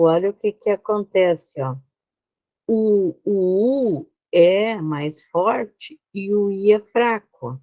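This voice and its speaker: In a dry recording, a woman of medium pitch and dark tone teaches an online lesson. She's Brazilian with a Brazilian Portuguese accent, moving through her slides methodically and checking often that the class is with her.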